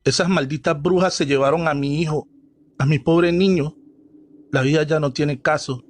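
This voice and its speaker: A man's voice: fairly high pitch, fairly even intonation, moderate pace, natural voice. A man voicing a grief-stricken father. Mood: despairing. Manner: anguished, despairing. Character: grieving father, desperate and broken.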